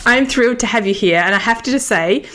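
A woman's voice: a little high, fast talker, a bit bright. A woman hosting a podcast interview, chatty and bubbly, laughing often. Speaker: podcast host. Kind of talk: casual interview chat.

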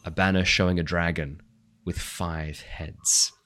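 A man running a tabletop game as dungeon master, slightly hoarse, chatty and apologetic while he sets up the session and reads the recap. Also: sits low, little pitch movement, unhurried, a bit bright. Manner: chatty, apologetic, laughing between remarks. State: hoarse after illness.

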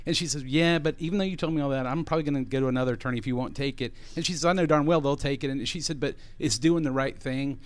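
A man hosting a radio interview in a studio, joking and rambling in casual chat. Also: medium pitch. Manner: quick, jokey, rambling. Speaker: radio show host.

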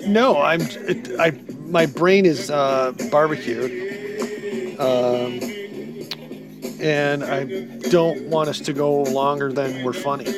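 A man's voice: on the high side, takes it slowly, loud music behind the voice. A man co-hosting a comedy podcast in casual banter and mock disclaimers, stumbling over words as if with a sore, swollen tongue. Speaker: podcast co-host.

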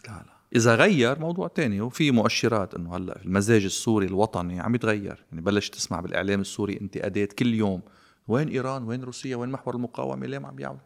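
A guest commentator with a Lebanese Arabic accent talks politics in a casual, sarcastic, animated manner, slipping into English phrases. His voice is gravelly and fairly low, and he speaks in rapid-fire bursts.

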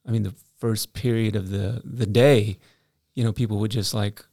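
A young man from Iceland chatting casually as a podcast co-host, telling animated stories and laughing often. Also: fairly low pitch, moderate pace, creaky, dry recording, clean studio sound. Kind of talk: casual conversation.

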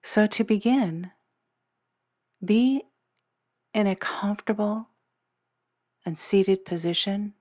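A woman guiding a scripted meditation in a gentle, soothing, soft-spoken way, leaving long pauses between short phrases. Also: medium pitch, no room sound, studio quality. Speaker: meditation guide. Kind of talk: scripted guided meditation narration. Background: new-age music.

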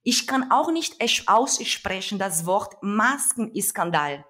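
An earnest young woman with a Brazilian Portuguese accent speaks as an interview guest, emphatic and searching for her words. Her voice sits at a middle pitch. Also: expressive, takes it slowly, fairly bright tone. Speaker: activist guest. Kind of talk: conversational interview.

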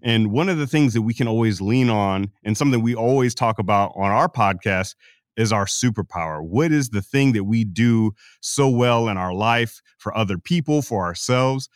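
A man co-hosting a podcast, asking a guest measured, thoughtful questions. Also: on the low side, clean tone, dry recording, clean studio sound. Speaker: podcast co-host. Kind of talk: interview questions.

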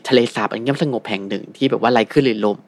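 Fast-talking man retelling a tale. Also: medium pitch. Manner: relaxed, fast retelling with many fillers. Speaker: guest storyteller. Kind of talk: casual storytelling chat.

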